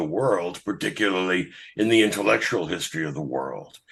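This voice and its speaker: A man is speaking. The background is quiet. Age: 60s. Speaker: professor. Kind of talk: casual chat. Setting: video call. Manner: halting.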